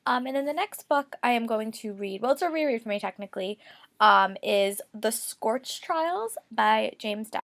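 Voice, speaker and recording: A woman's voice: on the high side, expressive, moderate pace, fairly bright tone. A young woman with a slight cold and a stuffy voice, chatting casually and upbeat about her reading plans, with lots of fillers. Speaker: book vlogger. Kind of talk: casual chat to camera.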